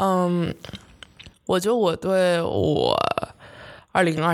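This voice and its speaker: A woman's fairly low-pitched voice. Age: 20s. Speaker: podcast co-host, student. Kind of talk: casual chat.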